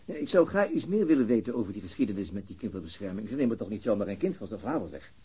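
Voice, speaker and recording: A man's voice: fairly low pitch, big pitch swings, racing, mellow, breathy edge, exaggerated voice. A man acting a polite, persistent police investigator in a radio drama, formal and probing. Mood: polite, insistent.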